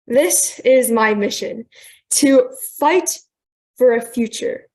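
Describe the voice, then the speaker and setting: A woman's voice: a little high, darkish tone. Earnest young woman giving a speech. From Thailand, raised in New York. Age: young adult. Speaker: guest speaker. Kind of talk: prepared presentation on a video call.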